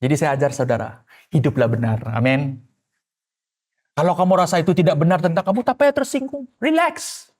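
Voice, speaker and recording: A man preaching a sermon as pastor, animated, firing rhetorical questions and acting out quoted voices. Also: on the high side, fairly quick.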